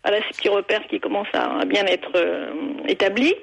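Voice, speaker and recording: A woman's voice: medium pitch, fast, creaky, slightly rough, poor audio. A woman calling in to a radio show, talkative and laughing often. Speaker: caller. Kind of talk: phone-in call.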